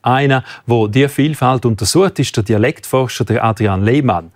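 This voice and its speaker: A man's voice: medium pitch, moderate pace. Swiss German man narrating a TV report.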